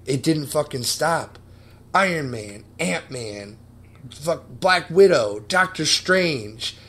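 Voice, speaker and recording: A young man hosting a podcast, casually telling a story with excited, profane enthusiasm. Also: fairly high pitch, takes it slowly, slightly rough. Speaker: podcast host.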